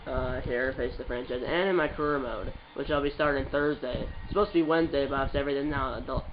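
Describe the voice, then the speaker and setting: A man's voice: mid-range voice, steady tone, quick pace. A man with a stuffed-up voice commentating his football video game in a casual, rambling way, calling the plays as they happen. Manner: rambling, with restarts and play-by-play calls. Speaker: gaming channel host. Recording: muffled with background noise.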